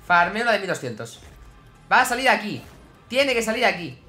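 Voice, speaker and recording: Spanish man from Spain, gaming YouTuber, bright voice, big swings in pitch, excitable commentary, faint music underneath. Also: normal speed. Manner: excitable, swings from grumbling to yelling. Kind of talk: gameplay commentary to viewers.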